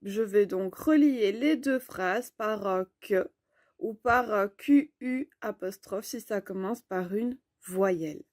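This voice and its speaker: A woman teaching a grammar lesson in a slow, clear, explanatory way. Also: medium pitch, a little mellow, no echo, clean studio sound.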